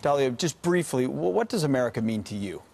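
A man co-hosting a morning news show in a TV studio, asking brisk, conversational questions. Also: mid-range voice, animated, vocal fry, a little mellow. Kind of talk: news interview.

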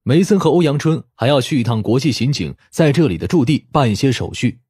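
A man's voice: mid-range voice, animated, fairly quick, darkish tone, breathy edge, no echo, studio quality. A man reading scripted story narration expressively, as an audiobook narrator.

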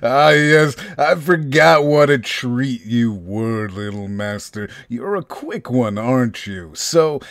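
Audio drama henchman acted by a man: mocking, menacing, very slow delivery, dry close sound. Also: mid-range voice, lively intonation, vocal fry, a bit bright, no echo, heavily acted. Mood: mocking amusement. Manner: oily, drawn-out, sarcastically courteous. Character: smug, mocking, menacing male henchman, big and taunting.

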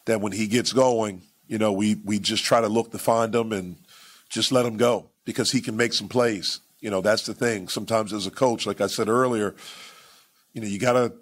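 A man in his forties, a basketball head coach answering reporters at a postgame press conference, speaking in a measured way with frequent "you know" and repeated phrases, into table microphones. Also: lowish voice, fairly even intonation. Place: press conference room with sponsor backdrop.

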